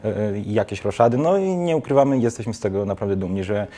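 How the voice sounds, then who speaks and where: A man's voice: lowish voice, expressive, quick pace, mellow. A young man in his twenties, a guest in a TV studio, talking casually with many restarts and fillers. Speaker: guest, student trip organizer.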